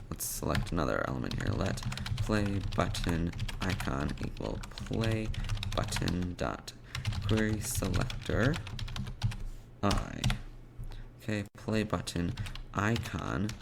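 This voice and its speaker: A man's voice: sits low, creaky. A man presenting a programming tutorial, thinking aloud in short fragments as he narrates live coding without a script. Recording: noisy, with keyboard typing and mouse clicks. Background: keyboard typing and clicking.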